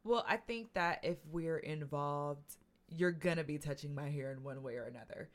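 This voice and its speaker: A young woman co-hosting a casual chat, expressive and fond of acting out what people say. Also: low-pitched, normal speed. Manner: expressive, acts out quotes. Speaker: podcast co-host.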